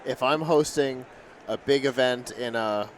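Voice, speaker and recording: Male interviewer with mid-pitched voice, some noise. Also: unhurried. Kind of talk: casual on-site interview questions. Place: busy tech conference floor. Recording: noisy busy event with background ambience.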